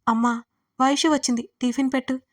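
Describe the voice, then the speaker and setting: Woman narrator as a dreamy young college girl, soft and tender, slightly high. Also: fairly even intonation, brisk, natural voice. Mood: casual.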